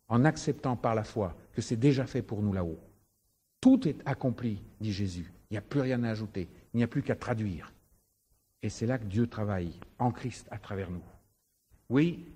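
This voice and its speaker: A man's voice: mid-range voice, dark tone. A man preaching and explaining scripture in an emphatic way, repeating his key points. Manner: emphatic, explanatory, rhetorical repetition. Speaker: Christian preacher and speaker. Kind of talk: sermon, teaching from scripture.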